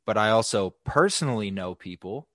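A young man co-hosting a podcast, chatting casually in a blunt, profane, animated way. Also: fairly low pitch, normal speed, no room sound, clean studio sound. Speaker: podcast co-host.

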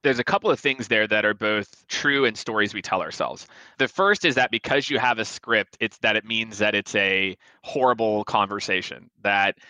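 A man's voice: fairly low pitch, normal speed, pushed and bright, dry recording, rough recording. A man in his forties, a sales expert guest on a podcast, giving emphatic advice and acting out quoted lines. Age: 40s.

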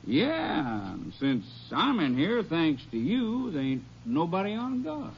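An actor playing a gloating, taunting outlaw prisoner in a 1950s radio western, sneering with folksy, mock-friendly menace. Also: male voice, a little high, wildly swooping pitch, slow, full character voice. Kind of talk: 1950s old-time radio western acting. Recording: muffled vintage radio, faint hum.

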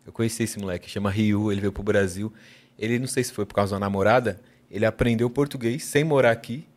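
A man's voice: on the low side, fast talker. A man telling a casual anecdote on a podcast, quoting others along the way. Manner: anecdotal, quotes others in little voices. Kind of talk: casual storytelling.

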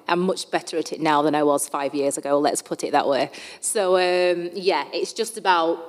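Bradford woman in an echoey hall. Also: mid-range voice. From Bradford, England. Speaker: guest artist, soul singer. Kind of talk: conversational interview answers.

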